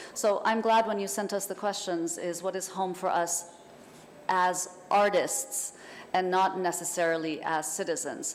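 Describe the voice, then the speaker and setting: A woman speaks at a moderate pace with a Persian accent. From born in London, partly raised in Iran. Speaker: writer and translator. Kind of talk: panel discussion. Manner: halting with many fillers.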